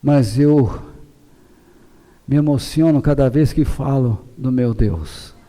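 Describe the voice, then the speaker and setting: A middle-aged man with a Brazilian Portuguese accent, preaching a passionate sermon as pastor, shouting at peaks and then dropping low and calm. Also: slow.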